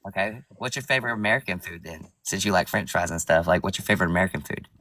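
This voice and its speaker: A chatty man calls into a livestream, peppering the host with curious questions. His voice is very deep. He sits back from the mic, and the sound is dry. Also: very fast, bright, forceful tone, no echo, recorded from a distance. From Puerto Rican background. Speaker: caller. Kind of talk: casual chat.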